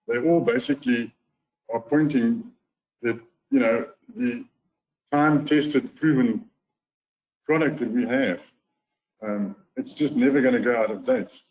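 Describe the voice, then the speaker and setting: A man's voice: medium pitch, darkish tone. A man in his fifties with a South African accent, speaking earnestly as a guest on a webinar and repeating words as he restarts. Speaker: guest speaker, golf teacher. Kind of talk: webinar testimonial talk. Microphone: online call mic. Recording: lo-fi webinar audio.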